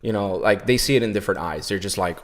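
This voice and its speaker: A young man from New York City co-hosting a casual gaming podcast, easygoing and quick to laugh. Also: lowish voice. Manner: easygoing, laughs often, repeats words. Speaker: podcast co-host. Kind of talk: casual chat.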